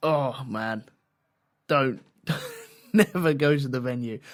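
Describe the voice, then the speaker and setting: This man has a South London accent. His pitch varies in an ordinary way. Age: 30s. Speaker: podcast host. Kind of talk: casual chat.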